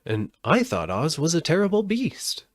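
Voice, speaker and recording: A man's voice: on the high side, huge pitch swings, normal speed, dry recording, studio quality, voice pushed up. A man reading a storybook aloud as an indignant, demanding metal man. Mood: startled, demanding.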